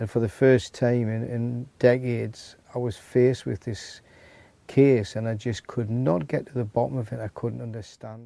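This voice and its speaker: With a dark, mellow tone, a man speaks at a moderate pace and medium pitch, his intonation fairly even while his loudness swings widely. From northern England, South Tyneside. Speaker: convert telling his story. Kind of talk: testimony.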